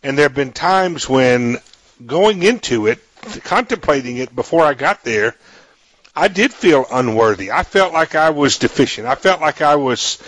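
Halting man hosting a podcast chat. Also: medium pitch, a bit bright, no room sound, low-quality recording. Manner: halting, repeats words while thinking aloud. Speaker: podcast host. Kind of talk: podcast conversation.

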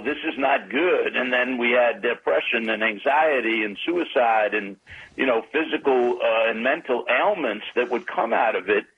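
An older man with a throaty voice, a guest explaining his views in an interview. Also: medium pitch. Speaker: guest attorney and author. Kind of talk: interview over the phone. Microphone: phone. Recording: tinny phone line with faint hiss.

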